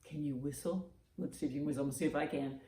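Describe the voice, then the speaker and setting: Low-pitched woman reading to children, noisy recording. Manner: expressive, slow deliberate emphasis for young children. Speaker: library storytime host. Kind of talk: children's storytime, singing rhymes and reading a picture book aloud.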